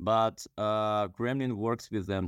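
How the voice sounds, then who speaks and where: A man speaks with a Russian accent. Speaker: political analyst. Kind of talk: interview. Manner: halting, many fillers.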